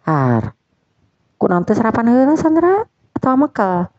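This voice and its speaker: A woman's voice: fairly high pitch, wildly swooping pitch, moderate pace, dry recording. A woman playing a nagging mother. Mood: scolding. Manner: nagging, scolding. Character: scolding mother of a grown daughter. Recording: dull dry lo-fi recording.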